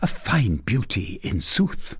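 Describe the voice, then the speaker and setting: A man voicing a young noblewoman who reproaches her suitor, pitched well up and sometimes whispered. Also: wildly swooping pitch, takes it slowly, slightly rough, dry recording, full character voice. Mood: reproachful.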